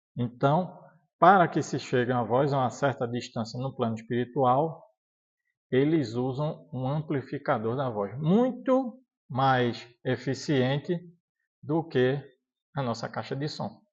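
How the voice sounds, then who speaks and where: A man speaks at a fairly slow pace and medium pitch, with ordinary pitch variation. He leaves long, frequent pauses. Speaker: spiritist lecturer. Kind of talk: lecture. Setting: spiritist center with audience and PA system. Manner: soft-spoken.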